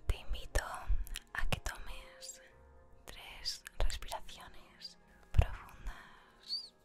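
This is an unhurried, whispered ASMR meditation guided by a woman whose accent is from Spain. She sounds gentle and soothing, with music in the background.

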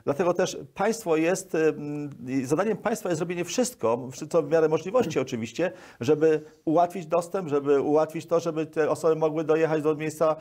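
A man's voice: fairly high pitch, a little fast, few pauses, darkish tone. A Polish man in his sixties answering interview questions as an official, wordy and repeating words mid-sentence, on a lapel microphone. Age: 60s. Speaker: guest, local government official.

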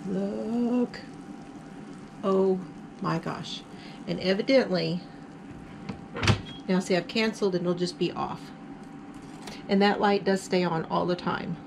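A woman's voice: mid-range voice, fairly even intonation, slow, creaky, long pauses, noisy background. A middle-aged woman hosting her cooking channel, chatting through each step as she cooks in her home kitchen. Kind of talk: casual cook-along narration.

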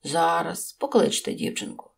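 A woman voicing a quiet, kind male traveller in a storybook, speaking calmly and with few words. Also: fairly low pitch, moderate pace, gravelly, slightly rough, heavily acted. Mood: restrained. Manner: calm, restrained, few words.

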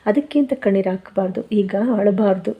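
Young husband figure, soothing, preachy, coaxing, mellow tone, voiced by a woman. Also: mid-range voice, normal speed, lightly acted. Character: gentle consoling young husband, man.

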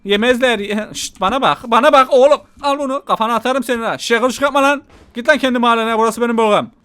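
A man playing a video game and commenting, joking and taunting the enemy out loud. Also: very high-pitched, fast talker, smooth. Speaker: gaming channel host. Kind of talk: excited let's-play commentary.

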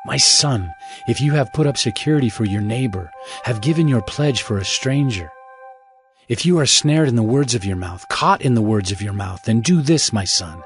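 A man giving a dramatized scripture reading as narrator, in a solemn, fatherly, exhorting manner. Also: medium pitch. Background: music.

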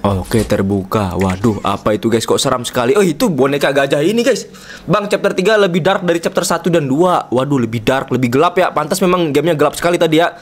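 A playful, chatty Indonesian gaming streamer gives casual live commentary on his game, constantly calling out to viewers. His pitch is fairly high and he talks at a quick pace.

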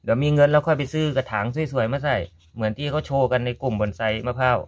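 A chatty man with a Korat Thai accent talks viewers through his gardening in a relaxed how-to vlog. He keeps addressing them as brothers and sisters, and his voice sits at an ordinary middle pitch. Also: fast. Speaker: gardening vlogger.

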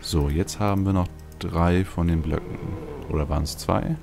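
A man with a very deep voice full of vocal fry talks through a video game. He rambles casually, thinking aloud as he plays. Game music runs clearly behind him. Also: fairly even intonation, normal speed. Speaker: let's play host. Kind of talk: casual gameplay commentary.

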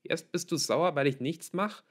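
A man's voice: on the high side, normal speed, voice pushed up, close to an everyday voice. A man voicing a withdrawn, stubborn teenage girl in an audiobook, curt and defensive.

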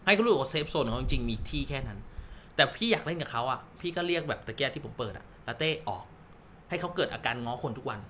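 Fast, lively Thai dog trainer man. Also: mid-range voice. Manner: animated, quick explanatory chatter that voices the dog's thoughts. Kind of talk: on-site dog training lesson with owners. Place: home of the dog owners. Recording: echoey room with faint noise.

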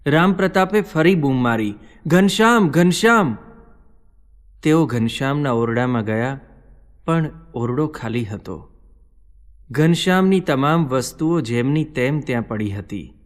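A man's voice: medium pitch, expressive, unhurried. A man giving solemn, vivid scripted narration of a devotional story, heard with a long hall reverb.

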